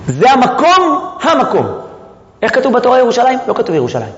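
Animated man teaching in an echoey hall. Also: very high-pitched. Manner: animated, asks the audience rhetorical questions, joking asides. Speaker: Torah teacher. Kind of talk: lively Torah lesson to a class. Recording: echoey hall, muffled sound.

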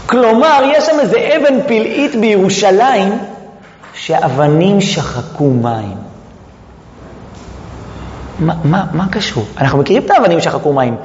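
A man giving a lively Torah lesson, quizzing his listeners with rhetorical questions and joking asides. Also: high voice, long pauses. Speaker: Torah teacher. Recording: echoey hall, muffled sound.

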